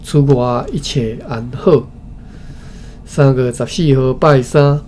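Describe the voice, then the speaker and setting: A man with a Taiwanese accent reads a historical text aloud as a study session presenter, haltingly, often repeating phrases and adding informal asides. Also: medium pitch, darkish tone. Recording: clearly noisy recording with background ambience.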